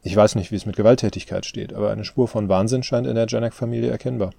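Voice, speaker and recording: A man with a low, gravelly voice playing a wry older father who teases his son and answers questions with questions, read from a storybook. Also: fairly even intonation, fast, warm tone, no echo. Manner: dry, mocking, asks questions back.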